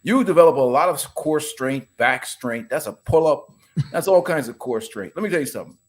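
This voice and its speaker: A man from the Bahamas, a podcast guest talking in an emphatic, opinionated, casual way. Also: medium pitch. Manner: emphatic, animated, laughs while talking.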